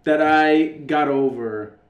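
An American man with a loud, carrying voice co-hosting a podcast, telling stories casually, swearing freely and acting out what people said. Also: on the high side, takes it slowly. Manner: animated, profane, acts out reported dialogue. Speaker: podcast co-host. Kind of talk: casual storytelling banter. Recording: echoey room.

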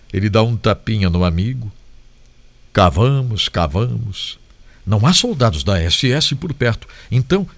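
Man reading a memoir with lively pitch. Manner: dramatic, varied, slows for solemn moments. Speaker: devotional reader. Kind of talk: expressive reading of a first-person memoir.

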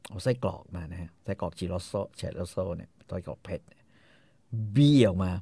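A man casually retelling a story, crude and animated, acting out the characters. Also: sits low, normal speed, vocal fry, breathy edge, dry recording.

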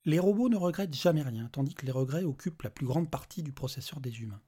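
A man's voice: on the high side, quick pace, husky. A man voicing a cold, logical robot official. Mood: detached. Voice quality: even, detached, bureaucratic. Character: calm smiling male robot official, coldly logical.

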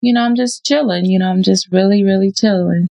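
A woman hosting a podcast, talking in a relaxed, laid-back casual chat. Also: mid-range voice, brisk, gravelly, no room sound. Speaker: podcast host.

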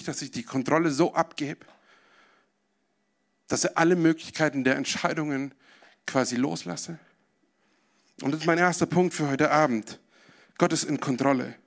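A man's voice: fairly high pitch, creaky. A male preacher telling a story in a sermon, vividly, and addressing his listeners directly.

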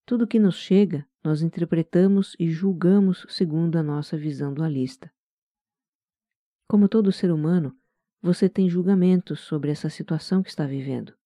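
A Brazilian-accented voice leads a guided meditation with a very dark, velvety tone. The delivery is gentle, calm and soft-spoken, like scripted relaxation narration. The sound is close and dry, with no room around it. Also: mid-range voice, moderate pace, dry recording.

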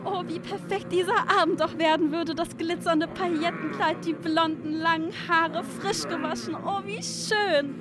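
Radio play role: vain young blonde played by a woman, high voice, swooning and luxury-hungry, loud music underneath. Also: steady tone, moderate pace, few pauses. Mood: swooning, elated.

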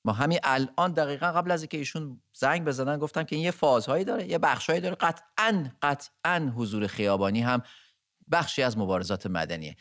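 A man's voice: fairly high pitch, fairly bright tone, no room sound, clean studio sound. A man who is a guest on a political talk show, explaining his view step by step and listing his points. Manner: measured, explanatory, lists points one by one. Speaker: studio guest commentator. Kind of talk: political discussion.

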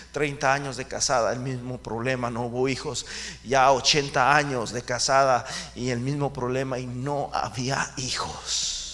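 A man's voice: medium pitch, a bit bright. A man preaching a fervent sermon who keeps calling out to his listeners as brothers. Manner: fervent, calls out to the congregation often.

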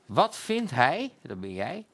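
A man's voice: mid-range voice, huge pitch swings, slow, gravelly. A man hosting a casual podcast talk, teasing his guests as he moderates. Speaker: host. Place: bar with live audience.

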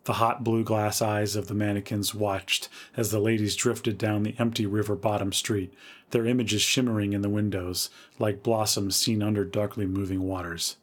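Man, lowish voice, podcast host, dramatic story reading, measured, atmospheric. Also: level tone.

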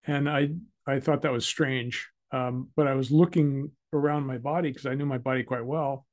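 A man, a guest in an interview, calmly telling a personal story with hesitant fillers. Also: mid-range voice, normal speed. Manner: calm and reflective, with hesitant fillers.

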